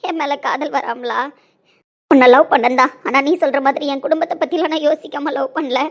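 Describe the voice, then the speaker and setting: A woman's voice: high voice, steady tone, a little fast. A woman voicing a young woman desperately in love, pleading and repeating herself in an emotional audio drama. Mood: hurt. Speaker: lead character in an audio drama.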